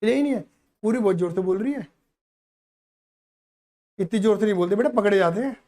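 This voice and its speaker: Guy teaching accounts to a live class, jokey, keeps asking kids if it's clear. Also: high voice, brisk, darkish tone. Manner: playful, teasing, keeps quizzing students.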